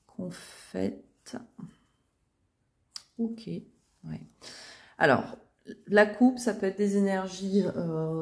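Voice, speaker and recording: A woman with a low, creaky, darkish voice gives a chatty tarot reading in a casual video, full of fillers and restarts.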